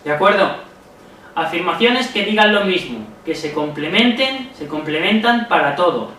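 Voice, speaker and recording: A man's voice: high-pitched, lively intonation, normal speed, bright, forceful tone. A man with a Spain Spanish accent giving a methodical exam-strategy lesson as a medical exam tutor, often checking in with listeners. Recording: very echoey room, voice far from mic, faint noise.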